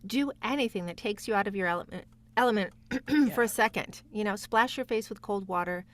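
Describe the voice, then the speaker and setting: A woman's voice: mid-range voice, brisk, a bit bright. Encouraging woman chatting as a podcast guest. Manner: encouraging, addresses listeners directly. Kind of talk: casual conversational interview.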